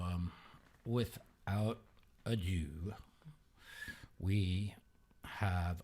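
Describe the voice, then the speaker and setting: A man hosting a podcast in casual sports betting talk, sluggish and halting, with many fillers and restarts, sometimes speaking quietly. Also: low-pitched, vocal fry, husky. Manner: talks quietly at times. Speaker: podcast host.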